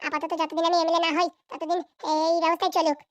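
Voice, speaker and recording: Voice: very high voice, level tone, fast, no room sound, dull audio. A performer voicing a ruthless, ambitious, bossy wife and mother in a Bangla comedy cartoon, scheming coldly.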